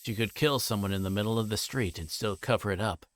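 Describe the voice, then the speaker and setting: A man's voice: lowish voice, fast talker, dry recording, studio quality, natural voice. A man voicing a sly, insinuating detective, casual and needling, in a visual novel read-through.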